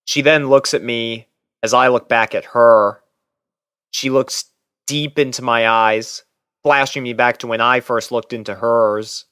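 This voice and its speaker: Slow, smooth-voiced male story narrator. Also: mid-range voice, steady tone, fairly bright tone, no echo, studio quality. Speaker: fan fiction narrator. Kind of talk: scripted first-person story narration.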